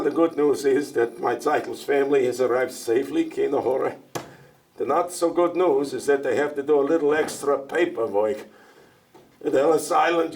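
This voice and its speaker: A man's voice: mid-range voice, lightly acted. An actor playing a talkative, joking older Jewish immigrant dairyman in a one-man stage monologue, often stammering and asking back. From Russia. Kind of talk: theatrical monologue. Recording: stage voice heard from far off.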